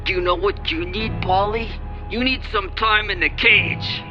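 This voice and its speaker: A man voicing an unstable, angry truck driver boss in a story, with gruff, bullying, clipped street-tough talk. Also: high-pitched, unhurried, lo-fi sound, pitched above the performer's own voice. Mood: menacing. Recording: music behind the voice.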